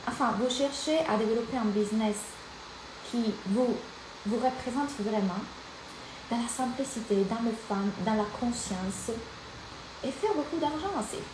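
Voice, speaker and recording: A woman's voice: fairly high pitch, normal speed. A woman from Italy with an Italian accent, a life and business coach speaking energetically and directly to viewers in a live-streamed masterclass. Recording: echoey room with background noise.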